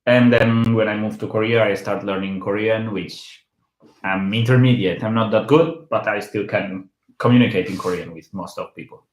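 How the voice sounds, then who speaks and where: A man's voice: lowish voice, steady tone, normal speed, echoey room, low-quality recording. A man from Catalonia in Spain, a native Catalan and Spanish speaker, co-hosting a casual travel livestream in a chatty, teasing way.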